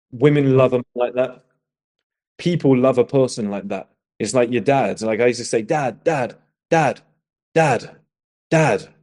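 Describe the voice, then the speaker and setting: A man's voice: medium pitch, a little mellow. A man hosting a podcast, giving blunt, emphatic advice and swearing freely.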